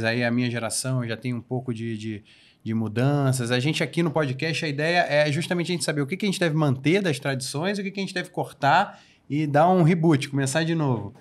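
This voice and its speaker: A Brazilian man talking casually as a podcast co-host in an interview. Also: medium pitch.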